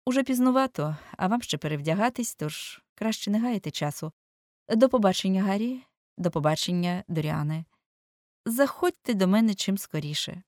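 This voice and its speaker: A woman's voice: mid-range voice, lively intonation, moderate pace, darkish tone, no room sound, clean studio sound, pitched above the performer's own voice, close to an everyday voice. A woman doing an anxious, pleading male painter. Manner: pleading, grumbling, earnest. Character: anxious earnest male painter, middle-aged.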